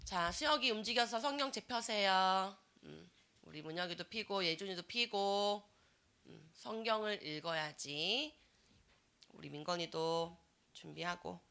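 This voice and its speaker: Lively bright-voiced woman preacher. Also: mid-range voice, a little slow. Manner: animated, asks the youth many questions; acts out complaining voices in quotes. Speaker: youth ministry preacher. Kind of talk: sermon to teenagers. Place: church youth room.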